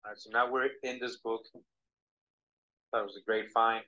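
A man reading passages aloud from a book in a measured way, played back in a video. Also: medium pitch, flat delivery, pushed and bright, lo-fi sound.

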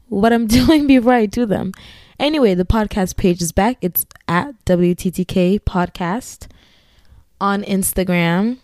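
A woman with a Ghanaian accent hosts her podcast alone, talking in a loose, rambling way with little giggly asides. Her voice sits at a middling pitch and comes through dry and close, with no room sound around it. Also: darkish tone, dry recording. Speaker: podcast host. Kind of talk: casual solo podcast chat.

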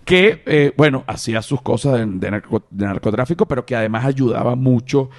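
Chatty Venezuelan podcast host. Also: male voice, mid-range voice, a little fast. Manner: rambling, many fillers and restarts, animated. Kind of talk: casual podcast chat.

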